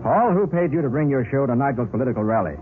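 An actor playing a brisk, confident master detective in a 1940s radio drama, giving orders with crisp authority. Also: male voice, mid-range voice, lively intonation, close to an everyday voice. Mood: commanding. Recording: tinny, hissy 1940s radio recording.

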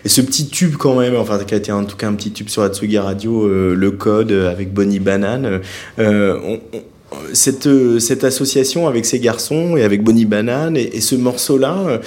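A man's voice: lowish voice, normal speed, a little mellow. A man from France interviewing a musician, asking long rambling questions with many fillers. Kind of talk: radio interview.

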